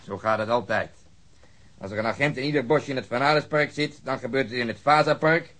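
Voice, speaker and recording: An actor playing a gruff, sarcastic police detective in a radio drama, speaking in an exasperated, grumbling way. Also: male voice, medium pitch, fairly quick, fairly bright tone, lightly acted. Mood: irritated, grumbling. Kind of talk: Dutch radio drama acting.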